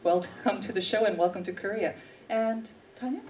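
A woman's voice: medium pitch, normal speed, a little mellow, far from the mic. A young woman hosting a live radio show, upbeat and reading intros. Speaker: radio host. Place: radio studio stage with audience. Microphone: handheld mic.

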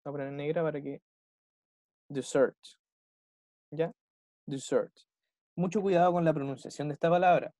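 Patient Chilean teacher, bone-dry sound. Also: male voice, fairly high pitch, fairly even intonation, fast talker, mellow, dry recording. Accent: Chilean Spanish. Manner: patient, checks in with "¿ya?" and "¿cierto?" after every point. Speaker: English teacher. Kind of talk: explaining a recorded English dialogue to a class.

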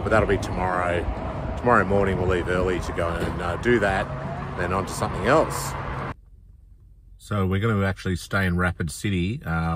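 A man's voice: low-pitched, noisy background. A man in his fifties with an Australian accent, chatting casually to a phone camera about a road trip. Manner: relaxed, chatty, easily impressed. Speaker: travel vlogger. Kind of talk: casual travel vlog narration. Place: in and around a car, outdoors on a road trip. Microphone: phone camera held at arm's length.

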